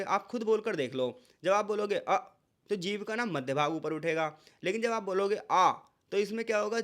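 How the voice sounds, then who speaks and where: A man tutoring students for an exam in a casual, repetitive lecture style, calling them "bhai" and stretching out example sounds slowly. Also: sits high, fairly bright tone. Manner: conversational, repeats points, addresses students as bhai.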